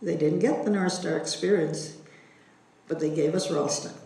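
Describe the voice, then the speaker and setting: A woman introducing a speaker at a ceremony with slow, measured storytelling. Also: low-pitched, warm tone. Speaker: event emcee introducing a speaker. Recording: echoey hall, distant microphone.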